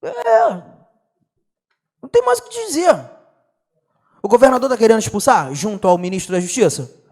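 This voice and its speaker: A young Brazilian man teaches an exam-prep law class with a high, lively voice. He talks in slang and keeps firing rhetorical questions at his students. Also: moderate pace. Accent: Brazilian Portuguese.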